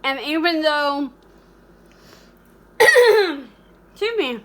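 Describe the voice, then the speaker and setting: Home baking vlogger, woman, high bright voice, loose chatty delivery full of ums. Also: sing-song, drawn-out words. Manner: rambling, many fillers and restarts. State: hiccuping. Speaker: cooking channel host. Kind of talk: casual vlog chat.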